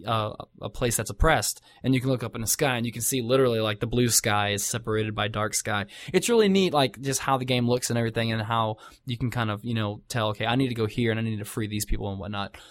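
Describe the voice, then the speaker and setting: A man's voice: medium pitch, dry recording. A man talks loosely and at length, circling back with lots of fillers and false starts. His voice sits in a middle range. The sound is close and dry, with no room around it. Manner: rambling, many fillers and restarts. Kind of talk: casual chat about video games.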